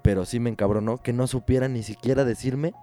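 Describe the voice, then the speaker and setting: A man's voice: mid-range voice, steady tone, quick pace, mellow, faint music behind. A man with a Mexican accent, telling a story in a casual chat, swearing a lot and sounding exasperated. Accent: Mexican Spanish.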